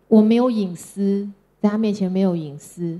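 A middle-aged woman from Taiwan speaks, telling personal stories from a stage. Her delivery is gentle and conversational, and she softens her sentences with particles at their ends. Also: mid-range voice, moderate pace. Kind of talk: personal storytelling talk. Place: stage before an audience.

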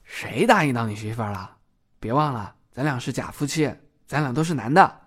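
A man's voice: medium pitch, lively intonation, fairly quick, a bit bright, husky. A man playing a sweet, bashful, teasing young gay man in an audio drama.

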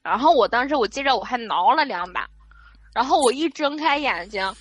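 Woman guest storyteller, fairly high voice, dry close sound, animated retelling with restarts. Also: a little fast, no room sound, lo-fi sound. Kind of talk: casual spoken storytelling.

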